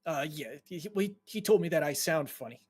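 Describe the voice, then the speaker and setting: A nervous young dwarf worker, as a game master plays him, hesitant and apologetic, tripping over his words. His voice sits noticeably high for a dwarf. He is eager to please. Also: lively intonation, moderate pace, a little mellow, husky. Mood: meek. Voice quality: higher than other dwarves. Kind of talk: tabletop game role-play.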